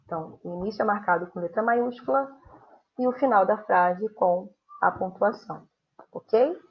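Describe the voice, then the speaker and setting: A young woman with a Brazilian Portuguese accent gives a grammar lesson, her voice slightly husky. She explains steadily and acts out example sentences with lively intonation. The recording sounds dull and lo-fi. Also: mid-range voice, normal speed. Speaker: teacher.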